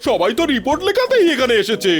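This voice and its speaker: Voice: sits high, wildly swooping pitch, very fast. An actor voicing a grumpy, bossy male panda police inspector in a cartoon, scolding everyone in exasperation. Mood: irritated, bossy. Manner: scolding, exasperated, repeated interjections. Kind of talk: cartoon dub acting.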